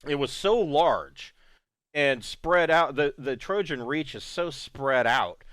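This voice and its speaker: A man's voice: on the high side, expressive, slow pace, fairly bright tone, dry recording. A man running a tabletop role-playing game as game master, narrating scenes and laughing often. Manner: laughs often, voices characters briefly.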